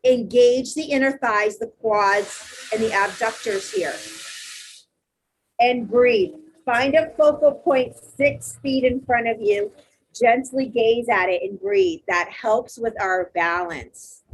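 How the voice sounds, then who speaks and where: A woman teaching a live online yoga class, cueing poses step by step in a loud, encouraging, chatty way over a video call. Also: on the high side, rough recording. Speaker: yoga instructor.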